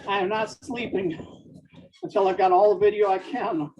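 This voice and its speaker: A writer dictating a story aloud in a slow, deliberate way, pausing between phrases and speaking every punctuation mark. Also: mid-range voice, fairly even intonation, a little mellow. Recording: dull, distant mic.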